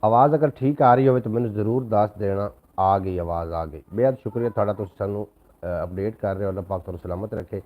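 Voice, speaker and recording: Low-voiced man on a lo-fi stream. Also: fairly quick. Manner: courteous, showers viewers with blessings and thanks. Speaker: live stream host. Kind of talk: casual live-stream chat. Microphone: new microphone.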